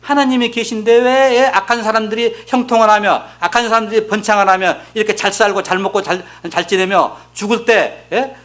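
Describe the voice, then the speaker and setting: Middle-aged pastor guy preaching, pretty high voice, asks the congregation questions. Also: fairly even intonation, brisk, few pauses, a bit bright. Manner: explains with rhetorical questions to the congregation; reads scripture aloud, voicing the prophets' complaints. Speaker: senior pastor. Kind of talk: sermon.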